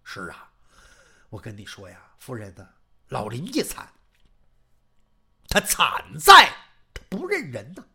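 A woman storyteller voicing a blunt, righteous old female servant who scolds her mistress in rapid tirades. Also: rumbling low, sing-song, husky, pitched below the performer's own voice, exaggerated voice. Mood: indignant.

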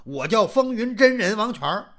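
A swaggering Taoist bandit chief, played by a male storyteller, cocky and menacing as he pressures an old man. High, bright voice with lively swings. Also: normal speed, exaggerated voice. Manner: swaggering, threatening.

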